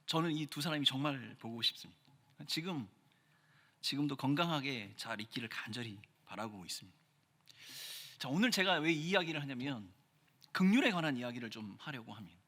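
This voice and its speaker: A man preaching a sermon as pastor, earnest, pressing hard on key phrases and then dropping his voice low. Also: lively intonation, a little fast, bright, forceful tone. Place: church sanctuary. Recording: church hall reverb.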